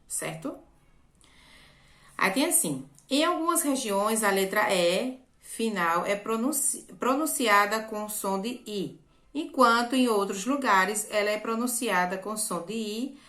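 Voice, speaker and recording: A woman teacher walks young pupils through a workbook lesson, patient and repetitive, often checking in. Her voice sits at an ordinary middle pitch, and the room around her rings with echo. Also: fairly bright tone. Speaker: primary school teacher. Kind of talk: explaining a workbook lesson to children.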